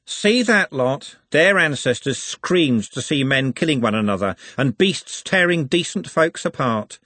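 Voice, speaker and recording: Man putting on a sly, swooping, high-pitched conjurer. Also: animated, measured pace, bright, forceful tone, no echo. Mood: dramatic, scornful. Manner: theatrical, teasing, roguish. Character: sly, cocky, slender male street conjurer.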